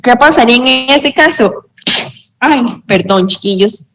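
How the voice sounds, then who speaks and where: A woman teaching English grammar in a slow, patient way, often checking that students follow. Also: fairly high pitch, animated, a bit bright, low-quality recording. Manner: slow, patient explaining with frequent check-ins. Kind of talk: online tutoring lesson.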